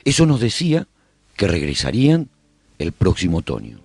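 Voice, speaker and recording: A low male voice with sweeping, highly animated intonation , an actor as a haunted survivor chronicling the end of the world. The delivery is theatrical and emphatic, like a reflective storyteller in a radio serial. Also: moderate pace, vocal fry, slightly rough, dry recording, studio quality, exaggerated voice. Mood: grave, explanatory. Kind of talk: dramatised first-person scripted narration for radio serial.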